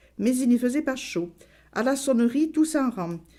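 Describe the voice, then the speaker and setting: A dark, mellow tone comes through at a fairly slow pace on a very clean recording with a silent background. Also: woman. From southwest France, Gers (Auch). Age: 70s. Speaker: elderly resident sharing memories. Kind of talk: reading aloud.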